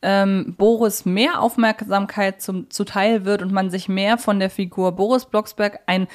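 A woman hosting a casual podcast discussion, explaining her views in an analytical, deliberate way. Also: mid-range voice, fairly even intonation. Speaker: podcast host.

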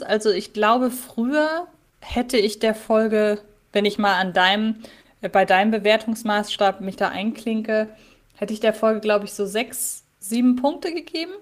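Hesitant woman podcast co-host. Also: medium pitch. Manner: thoughtful, hesitant with many fillers. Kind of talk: casual podcast chat.

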